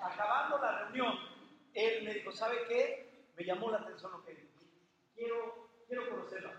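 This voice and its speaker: At a moderate pace, the speech comes through with audible room echo and noticeable background noise. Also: man. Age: 50s. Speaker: pastor. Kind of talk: sermon.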